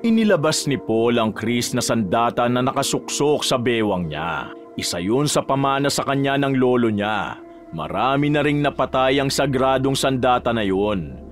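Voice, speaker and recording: A male storyteller narrates a horror tale with dramatic, animated delivery and a lively, swinging pitch. Faint music plays beneath his voice. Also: normal speed. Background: faint background music.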